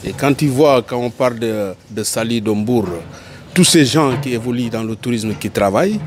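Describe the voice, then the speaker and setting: A Senegalese man with a Senegalese French accent makes an earnest, repetitive appeal in a street interview. His mid-pitched voice carries over faint traffic noise. He sounds a little off-mic outdoors. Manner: earnest, pleading, repeats points. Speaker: tourism worker interviewed.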